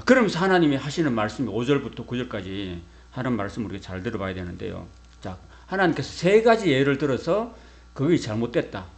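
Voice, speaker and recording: Lively middle-aged man preaching conversationally. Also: mid-range voice. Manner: conversational preaching with rhetorical questions to the congregation. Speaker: pastor. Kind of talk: sermon.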